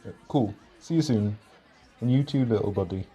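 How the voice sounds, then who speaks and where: An easygoing male friend at a party, acted by a man in a roleplay audio. His voice is very dark and soft-edged with some husk, relaxed and casual. Music plays behind him. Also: lowish voice, normal speed, husky, some chatter behind. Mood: friendly.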